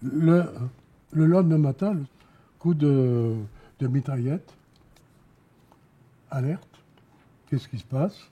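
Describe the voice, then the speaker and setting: An elderly man from Alsace recounting memories as an eyewitness, halting, repeating words and pausing between short phrases. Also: a little high, narrow, tinny audio. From Alsace, France. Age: elderly, around 90. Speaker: war veteran giving eyewitness testimony. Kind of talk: spoken testimony, recounting memories.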